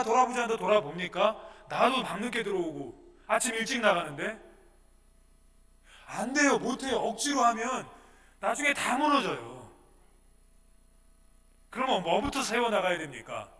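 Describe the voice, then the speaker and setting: Bright high-voiced man preaching from afar. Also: expressive, normal speed, long pauses, recorded from a distance. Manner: preaching with rhetorical questions, swings from soft to loud. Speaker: pastor. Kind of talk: sermon. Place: church sanctuary.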